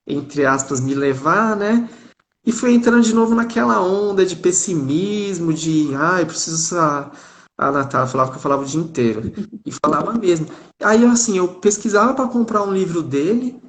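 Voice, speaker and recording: A Brazilian man in his thirties, a live stream guest, telling a personal story in an animated, conversational way. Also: fairly high pitch. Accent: Brazilian Portuguese. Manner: animated, conversational, frequent "né?" tags. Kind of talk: casual storytelling.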